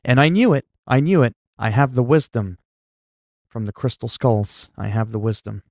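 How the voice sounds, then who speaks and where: A man hosting a livestream, chatting loudly in a mock-stern, profane way with quick swings in volume. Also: mid-range voice, lively intonation, no room sound, clean studio sound. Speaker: livestream host. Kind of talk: casual livestream chat.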